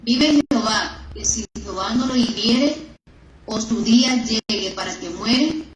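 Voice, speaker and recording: A woman's voice: a little high, a little slow, roomy sound, a crowd in the background, rough recording. A woman, a student in the class, reading Bible verses aloud carefully and steadily.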